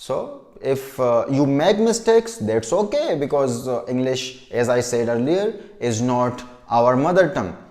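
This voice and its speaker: A man speaks at a fairly slow pace and a medium pitch, his pitch swinging very widely, with audible room echo. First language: Pashto or Urdu. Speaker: vlogger. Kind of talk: personal vlog monologue. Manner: hesitant, with fillers.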